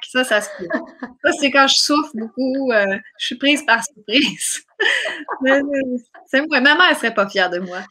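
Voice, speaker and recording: Bright, high-voiced Quebec woman. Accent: Quebec French. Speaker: guest, singer and YouTube creator. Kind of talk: casual chat.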